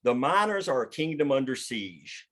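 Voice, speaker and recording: Male writer-host, casual group discussion, halting mid-sentence pauses, mildly profane. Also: medium pitch, very animated, a bit bright. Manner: halting, pausing mid-sentence to find words. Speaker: writer and host leading a table read.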